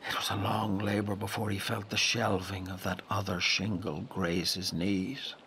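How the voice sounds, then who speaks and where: An actor playing a grave, intense narrator in a literary audio drama, measured and full of dramatic pauses. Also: male voice, low-pitched, level tone, bright, forceful tone, slight background noise. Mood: hushed wonder. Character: grave narrator haunted by a wild lake memory.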